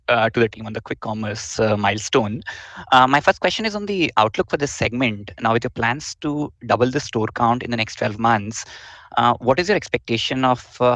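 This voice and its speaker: Indian guy, analyst on an earnings call, polite and formal, medium pitch, dry sound. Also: fairly bright tone, no echo. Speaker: analyst asking questions.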